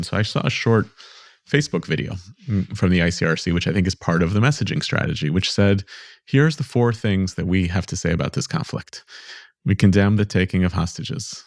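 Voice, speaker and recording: A man's voice: deep voice, dry recording, clean studio sound. A man hosting a podcast interview, asking thoughtful, probing questions in a conversational way. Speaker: podcast host.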